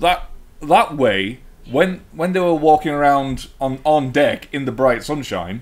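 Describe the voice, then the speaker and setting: Music plays in the background. The delivery is fairly slow, with lively intonation. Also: man, fairly high pitch for a man. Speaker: film commentary co-host. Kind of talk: casual chat. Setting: watching a film together.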